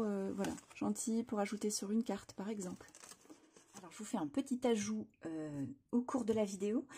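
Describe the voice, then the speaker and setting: Lady showing off her craft haul, chatty, lots of euh's, mellow kinda husky voice. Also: medium pitch. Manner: chatty, enthusiastic, frequent fillers and restarts. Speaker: craft channel host. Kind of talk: casual product haul presentation. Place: home craft room.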